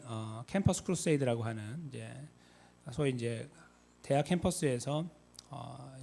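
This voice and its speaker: A man pastor giving a conversational sermon, with frequent filler pauses. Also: mid-range voice, vocal fry. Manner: conversational, many fillers, reenacts shouted call-and-response. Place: church sanctuary.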